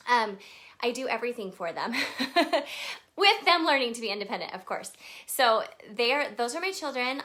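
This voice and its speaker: A woman in her thirties from Texas presents a casual live video, chatting nervously and greeting viewers by name. Her voice is fairly high-pitched, bright and forceful.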